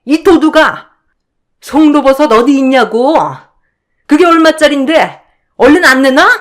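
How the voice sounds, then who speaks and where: Woman doing a shrill, furious bullying sister-in-law. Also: expressive, measured pace. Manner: shrieking, accusing, insulting.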